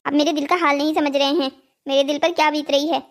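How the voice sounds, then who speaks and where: A woman's voice: high-pitched, level tone, fast talker. A woman voicing an anxious mother and wife in a cartoon story, pleading and reproachful. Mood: worried, reproachful. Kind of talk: scripted cartoon story dialogue.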